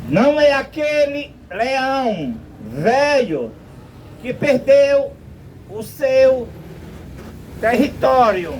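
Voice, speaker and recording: A man from Brazil preaching a slow, emphatic street sermon outdoors, quoting scripture at length. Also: extremely high pitch, slight background noise, poor audio.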